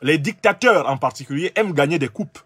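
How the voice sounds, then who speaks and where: A husky man from Cameroon lectures with emphatic, argumentative force. His voice sits high and swings widely in pitch. The sound is dry and close. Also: animated, brisk, fairly bright tone, dry recording. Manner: emphatic, argumentative, addresses listeners directly. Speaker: political commentator. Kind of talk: lecture-style monologue.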